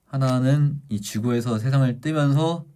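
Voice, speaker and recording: A man's voice: medium pitch, moderate pace, mellow, smooth. A young man hosting a livestream, chatting animatedly as he retells a book's plot to his viewers. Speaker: livestream host. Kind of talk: casual livestream chat retelling a book.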